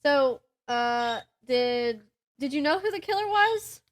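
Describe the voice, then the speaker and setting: A woman's voice: high-pitched, lively intonation, slow pace. A woman podcast co-host having a casual, informal chat about books.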